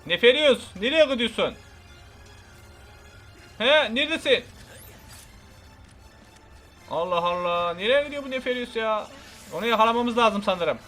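A man narrates his own gameplay in a high, bright voice. He talks in a casual, excitable way, swearing lightly and shouting at enemies. Now and then he reads on-screen text aloud. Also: unhurried, pauses often, faint music behind. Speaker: gamer. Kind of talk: casual let's play commentary.

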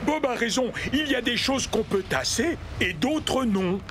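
A man's voice: extremely high pitch, lively intonation, measured pace. A man voicing a gullible, good-natured steamroller in a children's cartoon, sounding naive and hesitant. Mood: hesitant, sheepish. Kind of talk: French children's cartoon dub. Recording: music underneath.

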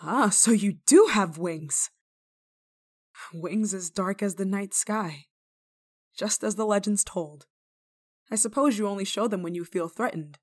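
A woman acts out a fearless village nun in an audio roleplay. Her mid-pitched voice is theatrical and scolding, with teasing turns and dramatic pauses. Beneath the sternness she is kind-hearted. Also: natural voice. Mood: taunting, confident. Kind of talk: ASMR roleplay monologue, dramatic acting.

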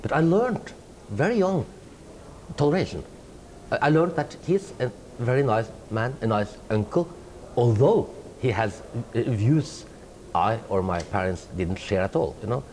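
A middle-aged writer from Norway, speaking with a Norwegian accent, answers interview questions thoughtfully, with many hesitations, fillers and restarts and animated hand gestures. His voice is medium-pitched and unhurried, and the poor audio carries a little hiss or hum. He sits in an indoor room with a tapestry wall.

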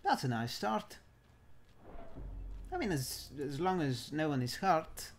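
Male gamer, playful commentary, unhurried, very animated intonation, mock-genteel put-on accent, faint noise. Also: fairly high pitch. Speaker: gamer commentating own play. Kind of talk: playful let's play commentary.

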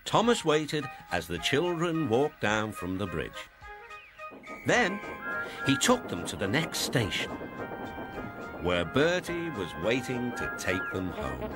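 British man, storybook narrator, gentle, animated pitch, background music. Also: slow pace. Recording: music playing behind.

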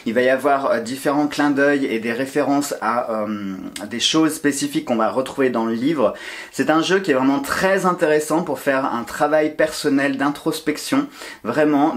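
Casual male vlogger at home, average pitch, chatty and warm about his card collection, loose delivery with fillers. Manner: chatty, many fillers and restarts, enthusiastic about card decks. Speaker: tarot and oracle card YouTuber. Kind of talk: casual vlog talking to viewers. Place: home during a move, sorting boxes.

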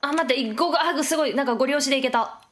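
A young woman streams a Let's Play, talking to herself as she plays, laughing often and exclaiming in surprise. Her voice sits high and fairly bright, and she speaks rapid-fire.

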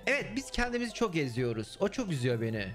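Young man, fairly high voice, lively pitch, blunt and sweary, faint music behind. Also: fast. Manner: blunt, swears and mocks freely. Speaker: streamer. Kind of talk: casual chat with stream viewers.

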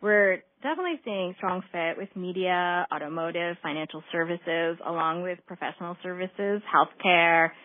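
A woman's voice: on the low side, normal speed, few pauses. A woman answering analyst questions as a company executive, speaking in polished business language. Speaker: company executive on an earnings call. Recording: muffled narrowband phone line.

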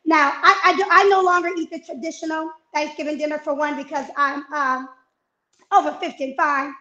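High-voiced energetic woman in her fifties. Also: fairly quick, echoey room, muffled recording. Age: 50s. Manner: energetic, coaching, emphatic repetitions. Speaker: fitness and nutrition guest. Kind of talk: casual video-call chat giving healthy eating tips. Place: home kitchen, indoors. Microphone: wireless earbuds on a video call.

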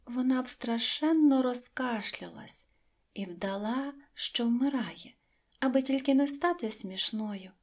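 Woman voicing the Little Prince, high and childlike. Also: unhurried. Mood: sad wondering. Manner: high, earnest, wondering childlike voice. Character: small gentle boy prince, lonely and curious. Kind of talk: audiobook reading.

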